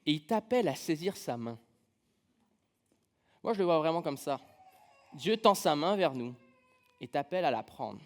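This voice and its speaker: Preaching in a church sanctuary, a Frenchman from France talks casually and humorously, weaving in personal stories and lots of fillers. His slightly high voice is sing-song, at normal speed, with long pauses.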